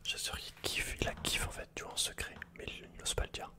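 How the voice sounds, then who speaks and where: Whispering French man, ASMR gaming. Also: brisk. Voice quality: breathy, unvoiced whisper. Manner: intimate, addresses the listener informally. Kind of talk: whispered ASMR game commentary, casual.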